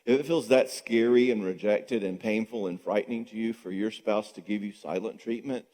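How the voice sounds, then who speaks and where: Older man teaching in a reverberant church. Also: normal speed. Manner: animated, asks rhetorical questions and acts out quotes in higher voices. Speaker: psychologist speaking at a marriage conference. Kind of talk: conference talk to a church audience. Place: church sanctuary. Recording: long church hall reverb.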